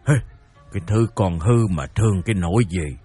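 A man playing a stern, grudging old father in a radio drama, with a gruff, dismissive way of talking. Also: sits low, normal speed, dark tone, soft background music. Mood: stubborn. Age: older.

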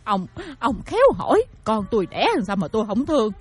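A woman's voice: fairly high pitch, very animated, brisk, husky, faint music behind. A woman playing a grieving older mother in a radio drama who pleads insistently with her husband. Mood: pleading.

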